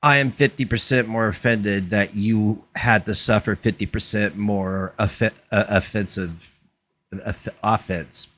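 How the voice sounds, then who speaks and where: A man's voice: fairly low pitch, steady tone, measured pace, a bit bright. A man in a heated live stream debate, sarcastic and mocking, swearing freely.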